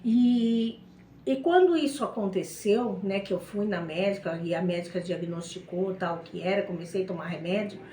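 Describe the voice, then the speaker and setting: A woman's voice: medium pitch, normal speed, dark tone, reverberant, a little hiss or hum, poor audio. A middle-aged woman with a Brazilian Portuguese accent, telling her faith testimony in an emotional, repetitive way and often turning to her listeners. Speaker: testimony speaker.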